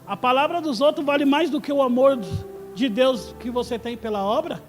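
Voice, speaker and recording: High-voiced pastor preaching in an echoing hall. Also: male voice, normal speed, faint music behind. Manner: swings from hushed tender storytelling to loud shouted exhortation. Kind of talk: sermon.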